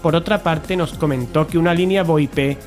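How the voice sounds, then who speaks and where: Actor as serious investigator, higher-set male voice. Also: normal speed, a little mellow, close to an everyday voice. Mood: measured, puzzled. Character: male investigator, technology-naive, serious, narrating his own story. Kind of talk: audio drama dialogue and first-person narration. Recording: music bed behind the voice.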